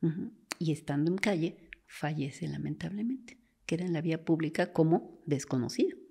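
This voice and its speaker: A woman's voice: sits low, moderate pace, vocal fry, mellow, breathy edge. A woman, a forensic doctor telling stories in conversation, acting out quoted voices and sometimes dropping to a whisper. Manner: acts out quoted voices, drops to a whisper at times. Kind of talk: storytelling in conversation.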